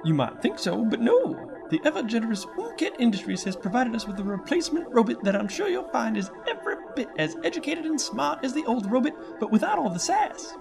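A folksy radio ad presenter, acted by a woman who gushes over the product. Her voice is high and bouncy with a gravelly catch. Music runs underneath. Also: very animated, a little fast, hardly any pauses. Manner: folksy, gushing pitch talk. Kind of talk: old-time radio comedy ad.

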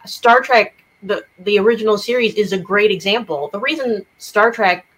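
A slightly husky-voiced woman explaining a point in casual panel conversation as a guest. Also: mid-range voice, normal speed, fairly bright tone, poor audio. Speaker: podcast guest, audio drama maker.

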